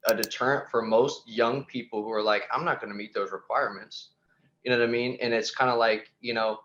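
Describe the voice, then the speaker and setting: Young man, lowish voice, dull sound. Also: a bit bright. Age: 20s. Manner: casual, earnest, heavy filler words. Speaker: podcast guest. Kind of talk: podcast interview.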